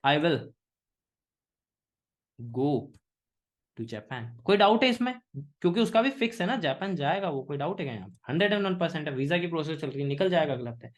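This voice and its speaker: A man from India teaching English in a live online class, mixing Hindi and English, often asking students questions and slowing down on example sentences. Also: a little high, expressive. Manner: Hinglish, engaging students with questions; slow, pausing model sentences.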